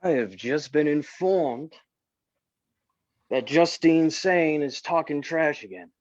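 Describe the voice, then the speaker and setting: A man playing a tough, determined old underdog wrestler, husky and emphatic, boasting in a staged promo reading. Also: on the high side, lively intonation, slow, no echo. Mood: threatening. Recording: dull, muffled lo-fi audio.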